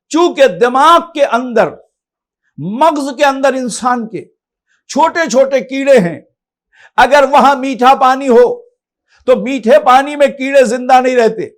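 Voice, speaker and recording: A man with an Indian Urdu accent preaching a memorial majlis sermon, addressing the congregation directly in rising and falling oratory. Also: very high voice. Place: studio.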